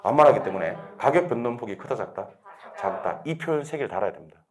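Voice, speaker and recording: A man lecturing a real estate exam class, drilling students with quick questions and answering them himself. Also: mid-range voice, lively intonation. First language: Korean.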